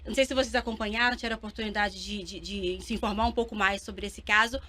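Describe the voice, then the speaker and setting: Bright-voiced Brazilian woman hosting. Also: medium pitch, fairly even intonation, quick pace. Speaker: talk show host. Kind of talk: interview, introducing guests.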